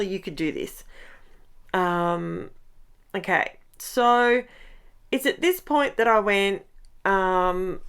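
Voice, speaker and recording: A middle-aged woman, chatting in a craft voice-over with a croaky voice, rambling and breaking off her own sentences. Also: mid-range voice. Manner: chatty, rambling, self-interrupting. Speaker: scrapbooking vlogger.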